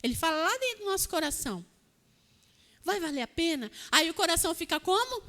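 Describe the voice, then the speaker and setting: A woman delivers an earnest sermon to a congregation, often checking in with them for an amen. Her voice is very high and bright. It rings out with the long reverb of a church hall. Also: very animated, a little fast. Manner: earnest preaching, asks the congregation "Amém?". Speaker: preacher.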